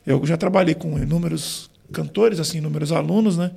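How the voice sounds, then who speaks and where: A Brazilian gospel singer and vocal coach explaining singing on a podcast, with lots of "né" and "tipo" fillers. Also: male voice, on the high side, brisk, gravelly, darkish tone, breathy edge. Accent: Brazilian Portuguese. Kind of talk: podcast interview.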